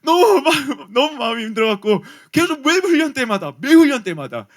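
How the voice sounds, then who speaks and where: A man's voice: extremely high pitch, brisk. A man preaching a youth sermon, telling a personal story and speaking straight to his listeners. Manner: animated storytelling, addresses listeners directly. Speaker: pastor.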